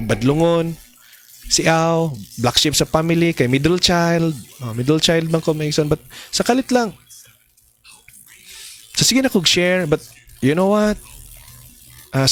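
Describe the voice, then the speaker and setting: Emphatic Cebuano-accented male preacher. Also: fairly high pitch. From Philippines. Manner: mixes English phrases into his speech; emphatic, pleading. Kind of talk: testimony sermon.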